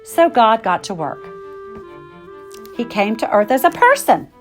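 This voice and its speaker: A middle-aged woman reads a children's picture book aloud. Her delivery is animated and expressive, with emphatic phrasing meant for young listeners, over faint music. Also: a little high, unhurried. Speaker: storytime reader.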